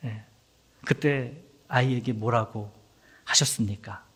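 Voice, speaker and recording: Korean pastor preaching in a reverberant sanctuary. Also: male voice, mid-range voice, slow, husky. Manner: animated preaching, acting out quoted voices, dropping to whispers. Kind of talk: sermon. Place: church sanctuary. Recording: long hall reverb.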